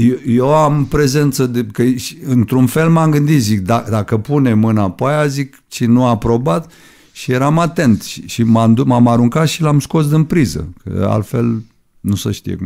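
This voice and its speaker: A man speaks at a fairly slow pace in a dark, mellow tone, his pitch medium with ordinary variation. The background is quiet. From Romania, Bucharest. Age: 60s. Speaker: rock guitarist; podcast guest. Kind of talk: casual interview chat. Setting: radio studio. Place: studio. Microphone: studio mic.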